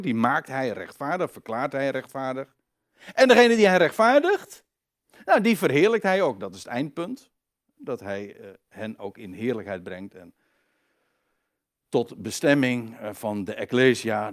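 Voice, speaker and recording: A man preaching a sermon, emphatic and halting, swinging from loud high stresses to quiet low asides. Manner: halting, with many fillers and restarts.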